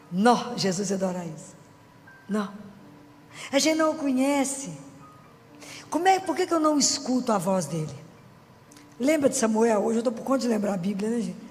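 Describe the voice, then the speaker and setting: A middle-aged woman with a Minas Gerais accent delivers a relaxed, conversational sermon. She keeps asking her listeners whether they agree. Her voice rings through a large hall with a long echo, and soft music plays faintly underneath. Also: on the high side, normal speed, pauses often. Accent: Minas Gerais Brazilian Portuguese. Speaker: preacher.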